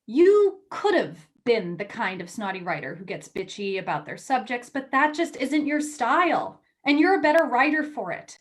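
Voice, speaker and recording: Brisk, teasing, high-voiced woman magazine editor, acted. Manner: blunt, wry. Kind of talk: acted play reading.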